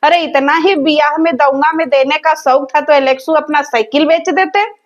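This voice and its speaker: A woman's voice: high-pitched, steady tone, normal speed, lo-fi sound. A woman, hosting a reaction video and roasting the people in it in a mocking, sarcastic, scolding way. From rural village in north India.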